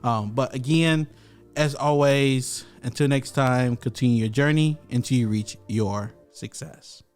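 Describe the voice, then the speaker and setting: A young adult man hosting a podcast in a casual, polite and measured way. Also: mid-range voice, a little mellow, faint music behind. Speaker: podcast host. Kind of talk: casual chat and podcast sign-off.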